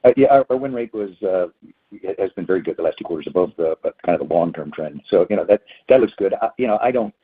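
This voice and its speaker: A male company executive answering questions on an earnings call in a halting, word-repeating way. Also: low voice, animated, slight background noise. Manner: halting, hesitant, repeats words. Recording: phone-like narrow band conference call.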